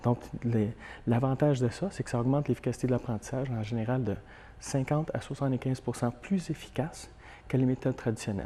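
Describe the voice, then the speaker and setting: In a dark, mellow tone with a Portuguese accent, the somewhat breathy voice moves at a very fast pace. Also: man, medium pitch for a man, fairly even intonation. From Portugal and Spain (Lisbon, Madrid), then Quebec. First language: Portuguese (speaking French). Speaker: language school owner. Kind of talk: interview.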